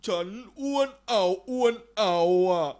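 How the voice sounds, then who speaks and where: Woman as a greedy storybook ladybug, lingering slow speech. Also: on the high side, animated, darkish tone. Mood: regretful. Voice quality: drawn-out, greedy. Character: greedy spotted ladybug customer. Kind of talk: children's storybook voice acting.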